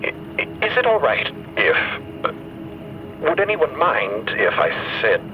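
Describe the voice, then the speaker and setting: A man playing a gentle, grieving machine crewmate in an audio drama, speaking haltingly in solemn, formal eulogy. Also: medium pitch, wildly swooping pitch, dull audio, noisy background. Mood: hesitant grief.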